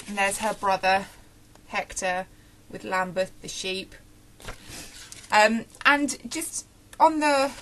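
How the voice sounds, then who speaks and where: A young British woman giving a casual, unscripted book review, chatting and thinking aloud with pauses and self-corrections. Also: medium pitch, a bit bright, slight background noise.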